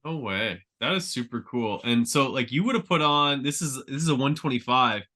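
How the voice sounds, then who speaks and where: Bright-voiced man, casual podcast host. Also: mid-range voice, moderate pace. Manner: enthusiastic, filler-heavy questions. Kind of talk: casual interview chat.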